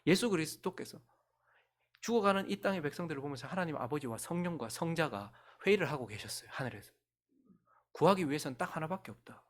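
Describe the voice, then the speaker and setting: Lively, swinging man preaching a sermon. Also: fairly high pitch, quick pace. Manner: lively preaching that swings from loud calls to hushed near-whispers; acts out quoted voices in conversational storytelling. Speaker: pastor.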